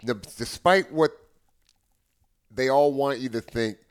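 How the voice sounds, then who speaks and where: An American man in his seventies talking casually and earnestly as a podcast guest, often halting and repeating his words as he goes. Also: medium pitch, clean tone. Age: 70s. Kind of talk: casual conversation.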